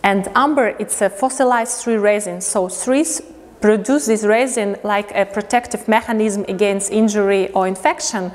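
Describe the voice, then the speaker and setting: A woman from Latvia gives a prepared lecture as an artist in English, halting as she looks for words. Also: medium pitch. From Riga, Latvia. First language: not English. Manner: halting, pausing to find words. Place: indoor museum lecture space. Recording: long reverberant hall.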